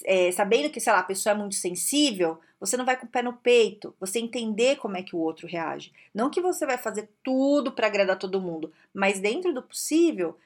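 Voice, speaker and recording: A woman with a Brazilian Portuguese accent giving casual career advice straight to camera, lively and direct, often tagging her points with questions. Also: medium pitch, fairly quick, hardly any pauses.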